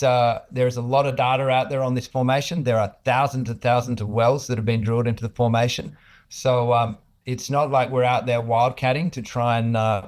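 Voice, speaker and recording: In an informal business interview, an Australian-accented executive guest explains things in a halting, chatty way. His voice sits at medium pitch.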